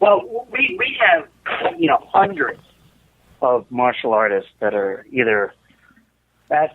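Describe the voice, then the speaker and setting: In a New York accent, a man speaks at a fairly slow pace. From New York City, the Bronx. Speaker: martial arts instructor, event organizer. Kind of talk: interview. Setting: phone call.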